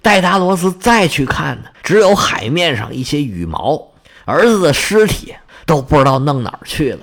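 A man's voice: on the high side, big pitch swings, moderate pace, fairly bright tone. A man telling a myth in vivid, colloquial storytelling style with dramatic emphasis and sound words. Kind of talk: Chinese folk-style storytelling of myths.

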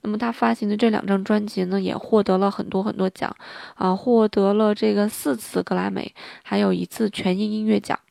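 A woman with a hoarse, gravelly voice, hosting a music show in a casual, conversational way that speaks directly to listeners. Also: medium pitch, level tone, brisk, warm tone, no echo, clean studio sound. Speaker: music podcast host.

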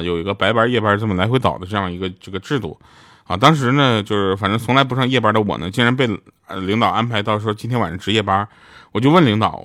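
A young man telling short jokes in a stand-up monologue, deadpan, acting out the people in his stories. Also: fairly low pitch, no room sound, clean studio sound. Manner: deadpan storytelling, acting out the voices in his anecdotes. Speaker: stand-up comedian.

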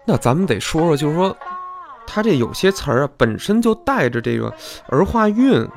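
A man's voice: on the high side, very animated, moderate pace, gravelly, soft background music. A man hosting a podcast, explaining in a chatty, folksy way and often asking his listeners "right?". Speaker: podcast host. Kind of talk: casual explanatory monologue.

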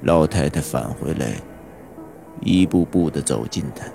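A man narrating a horror audiobook in a slow, suspenseful storytelling manner. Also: extremely low pitch, animated, creaky, mellow. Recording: audiobook with background music.

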